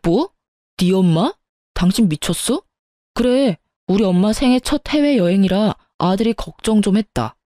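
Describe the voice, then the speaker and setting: A peevish husband who always takes his mother's side, read by a woman narrator in a soft, mellow voice. The delivery is accusing and irritated. It is recorded close and dry, without room echo. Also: mid-range voice, lively intonation, normal speed, natural voice. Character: sulky husband siding with his mother, defensive. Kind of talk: storytelling radio.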